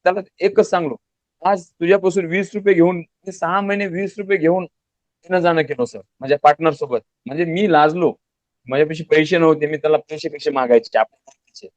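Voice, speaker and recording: A man's voice: a little high, fairly quick, no room sound. A man guest telling how he built his business, in an earnest, plain-spoken way with many restarts. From Maharashtra, India. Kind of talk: casual storytelling interview. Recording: dull lo-fi audio.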